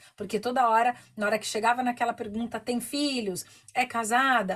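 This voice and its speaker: At a fairly quick pace, a woman speaks in an ordinary speaking voice with a fairly high pitch. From Brazil. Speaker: English teacher. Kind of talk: personal story. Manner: conversational.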